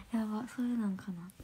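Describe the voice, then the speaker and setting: A woman with a Kansai accent chatting casually on a livestream, reading viewer comments, laughing often and slipping into soft whispers. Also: a little high, breathy edge. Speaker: idol group trainee hosting a livestream.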